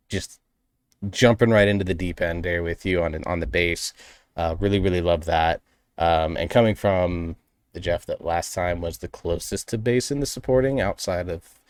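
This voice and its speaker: A man with a low voice talks through a song in a casual reaction video. He is earnest and appreciative and picks out small details. He speaks close to the microphone in a dry, dead room. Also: no echo. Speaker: music reaction video host. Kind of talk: casual spoken music analysis.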